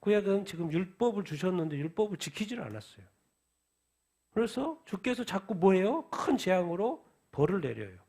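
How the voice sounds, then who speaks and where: A man's voice: high-pitched, very animated, normal speed, a little mellow, slightly rough. A man preaching a midweek sermon who asks questions and answers them himself. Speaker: pastor. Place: church.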